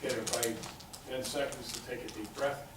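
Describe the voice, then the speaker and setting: Measured council member in an echoey chamber. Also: male voice, mid-range voice, steady tone. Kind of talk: meeting discussion. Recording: very echoey chamber audio from far off with clear hiss.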